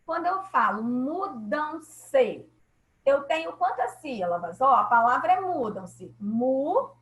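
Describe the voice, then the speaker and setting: A Brazilian woman teacher giving an online class by video call, slow and patient, often checking that students follow. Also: high voice, sing-song, a bit bright, echoey room, low-quality recording. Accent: Brazilian Portuguese.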